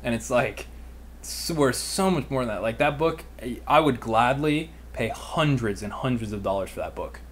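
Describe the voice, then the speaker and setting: An expressive, medium-pitched voice at a moderate pace belongs to a twenty-something American who hosts and mentors on an online business livestream. He answers viewers casually, using youthful slang, over a faint hiss or hum.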